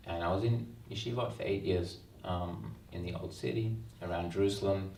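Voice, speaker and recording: An Australian man in his thirties, an author speaking earnestly at a book launch, with many ums and pauses. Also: deep voice, fairly even intonation, vocal fry, a little mellow, a little hiss or hum. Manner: earnest, reflective, frequent ums. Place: event hall. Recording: roomy hall sound, mic at a distance.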